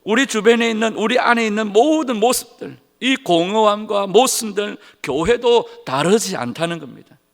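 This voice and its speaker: A male pastor preaches and tells a story earnestly, turning often to speak straight to his congregation. His voice is high and rises and falls in wide, animated swings. Long church-hall reverb follows each sentence. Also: moderate pace, vocal fry, hardly any pauses. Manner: earnest, addresses the congregation directly. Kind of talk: sermon with storytelling.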